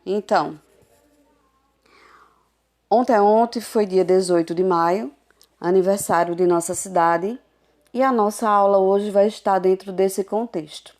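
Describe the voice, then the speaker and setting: A woman teacher giving a recorded adult literacy lesson over a phone, sounding out syllables slowly and patiently. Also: medium pitch, darkish tone. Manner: slow, patient, drawn-out syllables.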